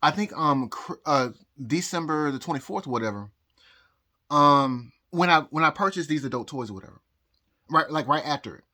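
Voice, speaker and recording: A man with a bright, forward voice talks a little high, telling a rambling story into his phone. He stumbles, repeats words, stops to pause and gets out of breath as he goes on. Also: lively intonation. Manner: halting, repeats words, frequent pauses and nervous laughs. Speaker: vlogger. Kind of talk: rambling personal story to camera. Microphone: phone recording.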